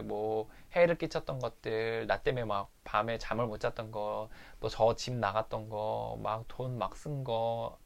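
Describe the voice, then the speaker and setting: A man's voice: mid-range voice, gravelly. A man candidly recounting a fight with his wife in a personal recovery diary monologue. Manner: candid, confessional storytelling.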